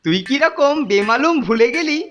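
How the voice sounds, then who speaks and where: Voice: sits high, animated, moderate pace, a bit bright, slight background noise. A performer voicing a boastful, teasing teenage senior schoolboy bully in a Bengali cartoon. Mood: taunting. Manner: taunting, boastful. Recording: music behind the voice.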